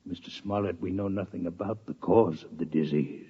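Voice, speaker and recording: An actor playing a scholarly six-legged alien doctor in a radio drama, speaking formally and precisely, courteous and intensely curious, with a husky voice. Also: male voice, sits low, fairly even intonation, dark tone. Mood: grave, musing. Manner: formal, measured, precise diction. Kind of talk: 1950s radio drama acting. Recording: muffled old radio broadcast recording.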